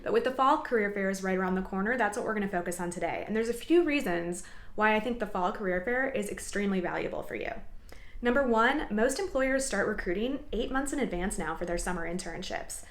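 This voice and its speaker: A woman's voice: mid-range voice, animated, brisk. A young adult woman giving advice in an upbeat, encouraging, tidy vlogger manner, addressing viewers directly. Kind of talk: upbeat advice vlog to camera. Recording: echoey room.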